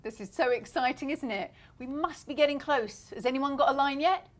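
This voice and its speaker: A woman co-hosting as a bingo caller, announcing each number clearly and then repeating it digit by digit. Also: high-pitched, fairly quick. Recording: loud background noise with clicks.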